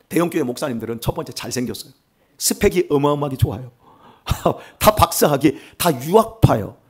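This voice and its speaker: Older pastor guy w chungcheong accent preaching, pitch jumps all over, kinda husky. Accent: Chungcheong Korean. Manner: animated, humorous, self-mocking preaching. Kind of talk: sermon. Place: church sanctuary.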